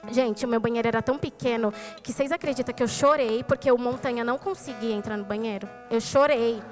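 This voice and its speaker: A preacher with a Brazilian Portuguese accent shares her testimony at a church service, narrating her story straight to the congregation. She talks fast in a somewhat high voice while faint music plays behind her.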